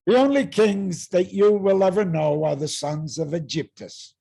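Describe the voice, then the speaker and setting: Gravelly, menacing herald of Greek tragedy. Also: male voice, high voice, normal speed, dark tone, exaggerated voice. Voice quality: gravelly, rasping. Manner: threatening, declamatory. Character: menacing, arrogant herald claiming women as property. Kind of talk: dramatic reading of ancient Greek tragedy. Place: online video-call reading.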